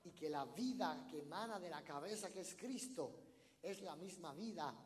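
A man's voice: fairly high pitch, lively intonation, moderate pace. A man preaching a sermon in a church, talking directly to the congregation in a conversational way. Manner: builds to loud, fervent preaching. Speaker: pastor. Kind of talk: sermon with a told story. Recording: long reverb of a church hall.

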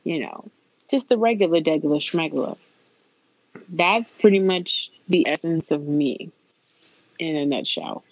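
A woman's voice: low-pitched, unhurried, pauses often, a little mellow, husky, no room sound, muffled recording. A woman with a Puerto Rican accent, co-hosting a podcast in casual, candid chat with blunt, wry remarks. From Puerto Rican, raised in the US South. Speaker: podcast co-host.

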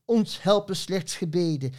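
A man's voice: high voice, expressive, unhurried, darkish tone. A man in his sixties playing a fretful older male pastor in a rhyming poem. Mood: lamenting. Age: 60s. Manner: theatrical, lamenting recital.

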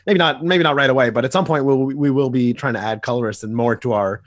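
A young man co-hosting a podcast, chatting casually and telling stories in a rambling, animated way. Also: mid-range voice, no echo. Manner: fast, rambling, animated storytelling. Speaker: podcast co-host and comic writer. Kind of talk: casual chat.

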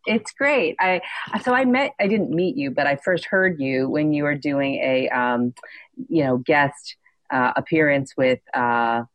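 A woman's voice: low voice, lively intonation, unhurried, dry recording. A woman hosting a podcast interview, talking in a rambling way with lots of fillers and restarts. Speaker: podcast host. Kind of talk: casual interview talk.

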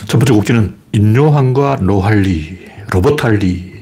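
Very husky Gyeongsang-accented man. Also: on the low side, expressive, normal speed, warm tone. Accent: Gyeongsang dialect. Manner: opinionated, rambling, mocking. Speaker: livestream host. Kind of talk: casual livestream chat, greeting viewers.

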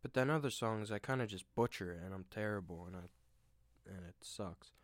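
Deep-voiced young man, rambling casually. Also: a little fast, dry recording, studio quality. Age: young adult. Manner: rambling, self-deprecating, many fillers and restarts. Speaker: podcast host. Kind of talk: casual solo monologue. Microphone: desk microphone at home.

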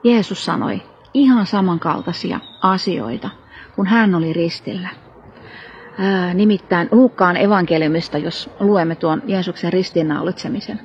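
A woman's voice: fairly low pitch, a little hiss or hum. A woman preaching a sermon, retelling a Bible story with earnest emphasis and rhetorical questions. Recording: dull lo-fi recording.

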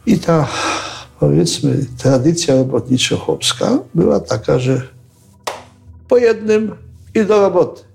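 An older man telling anecdotes in a casual, animated way, acting out what others said. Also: fairly high pitch, gravelly. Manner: animated storyteller who acts out quotes and tags lines with "nie?". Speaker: interviewee recalling militia days.

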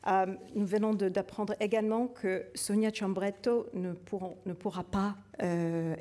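Woman, event host, warm dark timbre, mid pitch, hesitant announcements, self-correcting. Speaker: event host introducing readers. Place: live literary event before an audience. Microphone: event microphone.

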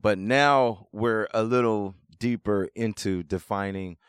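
A man's voice: lowish voice, slow pace, smooth, dry recording, clean studio sound. A man hosting a casual podcast interview, asking loose, rambling questions. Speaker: podcast host.

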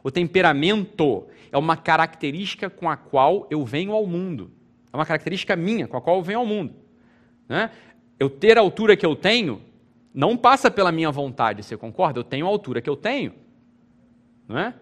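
Brazilian guy teaching, keeps going "right? isn't it so?", bit high voice. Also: lively intonation, fairly quick. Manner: emphatic, keeps asking rhetorical questions; repeats phrases, restarts. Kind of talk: informal spoken lecture.

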